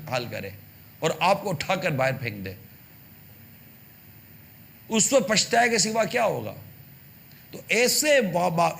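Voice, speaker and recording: A male preacher gives a televised sermon with a high voice. He presses his points with rhetorical questions and repeated pleas. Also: a bit bright. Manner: emphatic, rhetorical questions, repetition. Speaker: religious preacher on TV channel. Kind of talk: television sermon addressing parents.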